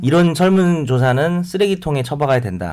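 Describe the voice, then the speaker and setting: A man speaks at a moderate pace, his pitch swinging very widely up and down. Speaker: lawyer. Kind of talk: casual chat.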